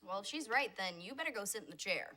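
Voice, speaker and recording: A woman's voice: medium pitch, animated, fast talker, pushed and bright. A woman playing a sarcastic young woman in a sitcom, bossy and coaxing with a dry, teasing manner. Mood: wry. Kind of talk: sitcom acting.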